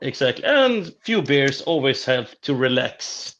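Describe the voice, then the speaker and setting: A man's voice: mid-range voice, very animated, a little slow, fairly bright tone, highs cut off. A man, a band singer chatting casually and jokingly in an interview.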